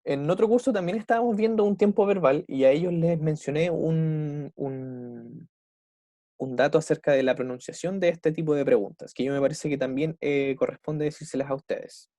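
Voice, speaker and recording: A man with a Chilean Spanish accent teaching an online English class, patiently repeating example sentences slowly and checking in with short tag questions. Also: on the high side, warm tone, dry recording.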